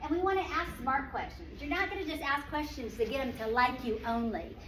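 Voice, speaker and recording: A woman's high-pitched voice at a fairly quick pace with lively intonation, plus audible room echo and noticeable background noise. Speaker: sales trainer. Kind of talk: training talk.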